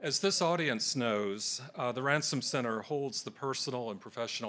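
This is a man's voice. Its tone is bright and sharp. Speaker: cultural institution director introducing speakers. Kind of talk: formal prepared introduction. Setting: stage with audience in a theater. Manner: formal. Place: stage. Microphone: podium.

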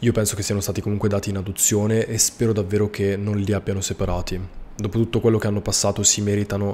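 A man's fairly low voice at a very fast pace, over light background noise. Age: 20s. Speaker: true crime YouTuber. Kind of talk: storytelling narration. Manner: animated. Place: home room. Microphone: studio mic.

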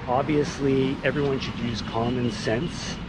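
Against clear background noise, a man speaks with fairly even intonation.

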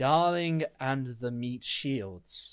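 In a put-on character voice, the speaker booms at a low-to-middle pitch on a very clean recording with a silent background. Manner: gentle, carrying across the wind.

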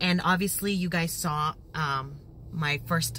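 Over light background noise, a woman with a very deep, low voice and vocal fry speaks at a fairly slow pace with ordinary pitch variation in a dry sound with no echo. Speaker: vlogger. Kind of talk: casual vlog chat. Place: car. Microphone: phone near.

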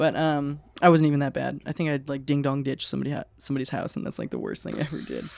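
Very fast speech from a man with hardly any pauses and a dry sound with no echo. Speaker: podcast host. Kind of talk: casual interview conversation. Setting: on location at guest's place. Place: studio. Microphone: studio mic.

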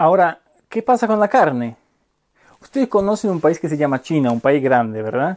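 A man at a moderate pace, with very wide pitch swings and long, frequent pauses, against a quiet background. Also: fairly high pitch for a man. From Poland. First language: Polish (speaking Spanish). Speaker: documentary filmmaker; journalist. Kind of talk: talk; explanatory talk to camera.

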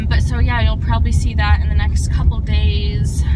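A woman at a moderate pace, in a dry sound with no echo, under loud background noise. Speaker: vlogger. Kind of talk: casual vlog chat. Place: car. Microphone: phone near.

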